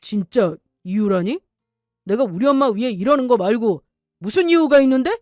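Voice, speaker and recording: A woman's voice: fairly high pitch, expressive, normal speed, darkish tone, no echo, soft background music, pitched above the performer's own voice, close to an everyday voice. A scheming middle-aged husband who bullies and threatens his wife, as a woman puts him on for an audio story. He pushes hard and turns defensive when cornered, his voice dry and close with no room around it.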